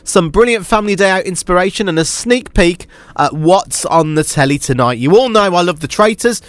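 A man's voice: high-pitched, expressive, fairly quick, dry recording. A British man hosting a casual live radio show, sounding nasal and blocked up with a cold, as if his nose were pinched. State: congested with a cold. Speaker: radio host. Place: radio studio.

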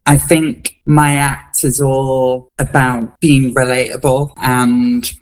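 Slow-paced, thoughtful woman guest. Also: rumbling low, little pitch movement, a little mellow, rough recording. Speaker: interview guest, comedy performer. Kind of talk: reflective interview talk.

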